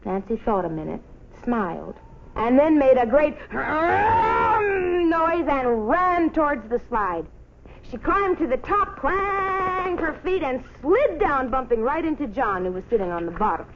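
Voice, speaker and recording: A woman reading a children's story as an expressive scripted narration. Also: high voice, a little slow. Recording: muffled noisy old film soundtrack.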